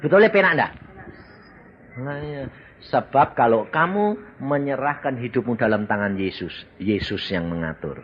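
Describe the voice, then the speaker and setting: A man preaches an animated sermon, his pitch swinging widely as he acts out voices. He breaks into sudden loud outbursts. The recording is dull and lo-fi with faint background noise. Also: moderate pace.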